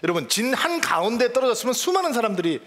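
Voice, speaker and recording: A man's voice: extremely high pitch, sing-song, fast, fairly bright tone, in a large hall. A man preaching a sermon as pastor, in a conversational way, often putting questions to the congregation.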